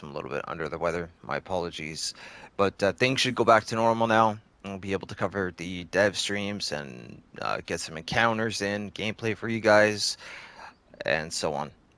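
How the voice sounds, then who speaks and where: This man has a very deep, low pitch with vocal fry and a bright, sharp tone. He talks at a moderate pace with lively intonation on a very clean recording with a silent background. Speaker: gaming youtuber. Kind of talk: gaming news update. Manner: casual, conversational.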